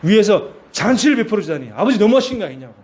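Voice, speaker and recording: A man voicing a resentful older brother who protests loudly in exasperation during a sermon story. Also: high voice, big pitch swings, very fast. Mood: indignant. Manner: exasperated complaining, rising outbursts.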